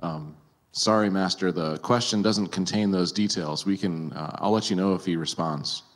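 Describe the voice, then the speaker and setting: A man's voice: low-pitched, normal speed. A man acting as moderator, carefully reading out questions in a polite, deferential way. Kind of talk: careful reading aloud to a teacher.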